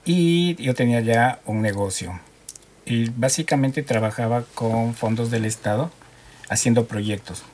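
A man from Ecuador with a Quito accent, a guest telling his story in a relaxed, playful way. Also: medium pitch, measured pace. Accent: Quito Spanish. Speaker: interview guest, driving instructor. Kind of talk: casual radio interview.

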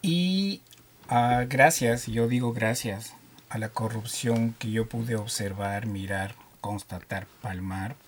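A man from Ecuador with a Quito accent, a radio guest telling animated stories about himself. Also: lowish voice, takes it slowly, slight background noise. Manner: animated storyteller, jokes and laughs often. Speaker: guest, driving instructor. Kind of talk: casual radio interview.

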